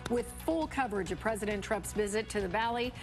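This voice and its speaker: A woman's voice: mid-range voice, fast. A woman with an American accent reading headlines as a local TV news anchor. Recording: music bed under broadcast voice.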